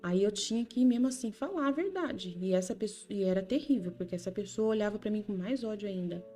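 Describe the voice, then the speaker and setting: Woman voicing Jesus, gentle consoling male divine figure, tender reassuring manner, mellow voice. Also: medium pitch, expressive, brisk, soft background music, natural voice. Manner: tender, reassuring, addresses listener by name.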